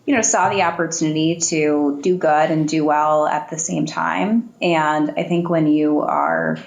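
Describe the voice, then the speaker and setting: Female CEO guest, low voice, slightly hoarse, fluent and businesslike, recorded in an echoey room. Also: fairly even intonation, unhurried. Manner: fluent, businesslike, laughs easily. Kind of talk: podcast interview answers.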